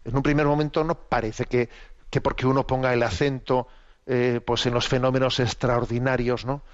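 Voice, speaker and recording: A man delivers spoken religious commentary in a measured, teacherly manner, often checking in with short tag questions and asking rhetorical questions. His voice sits at an ordinary middle pitch. The recording is slightly dull and lo-fi, with the sound of radio. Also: little pitch movement. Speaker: host of a religious commentary program.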